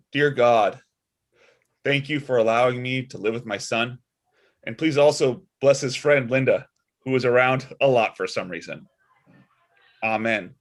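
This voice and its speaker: A man's voice: mid-range voice, a little slow, long pauses, close to an everyday voice. A man acting a devout, fussy Catholic deacon father in a comedy table read, with sanctimonious, sugary jabs. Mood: solemn, pious.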